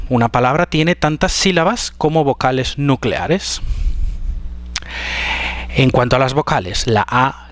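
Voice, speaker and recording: Male language teacher, mid pitch, careful explanatory delivery, dry close sound. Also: a bit bright, no room sound. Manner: slow, careful, drawn-out example words. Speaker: Spanish pronunciation teacher. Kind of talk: explanatory lesson.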